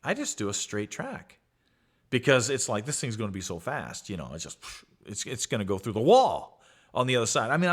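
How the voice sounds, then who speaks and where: A man hosting a podcast, telling a story with animated delivery and acted-out childhood voices. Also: on the low side. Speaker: podcast host.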